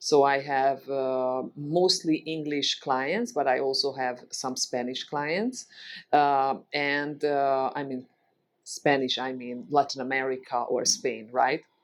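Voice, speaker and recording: Very slow speech in a Hungarian accent with fairly even intonation, on a very clean recording with a silent background. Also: woman, very deep, low pitch for a woman. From Hungary. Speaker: energy healer. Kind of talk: podcast interview. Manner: halting, many fillers.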